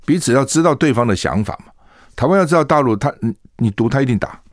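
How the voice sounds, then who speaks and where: An older man with a Taiwanese Mandarin accent, hosting a political commentary talk show, animated and full of rhetorical questions. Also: medium pitch, fast, dry recording, studio quality. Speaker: radio talk show host.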